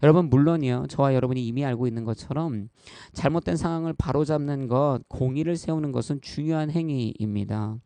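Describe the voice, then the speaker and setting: A man's voice: mid-range voice, fairly quick, hardly any pauses, warm tone, clear, resonant tone, no room sound. A man in his thirties preaching a sermon as a pastor, earnest and conversational, often turning to address the congregation directly and telling personal stories. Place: church.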